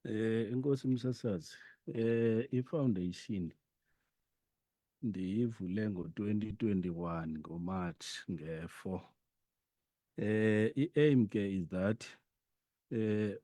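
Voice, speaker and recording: A South African man with a Xhosa accent and a deep voice speaks as an interviewed chief. His tone is dark and soft-edged, in a close, dry recording, and he explains by moving between two languages. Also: no room sound. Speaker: interviewed foundation founder and chief.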